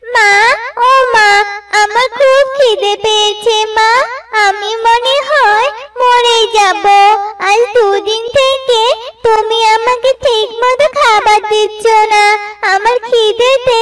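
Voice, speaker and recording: Very high, plaintive little girl bird. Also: distant mic, very noisy. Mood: hungry, miserable. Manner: plaintive, drawn-out pleading. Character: frightened, hungry little girl bird, whiny and pleading. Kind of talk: children's cartoon voice acting.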